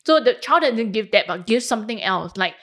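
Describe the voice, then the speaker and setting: A woman's voice: a little high, animated, fairly quick, fairly bright tone. A Singaporean woman in a casual panel discussion, frankly explaining her views with some Singlish slang. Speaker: panel guest.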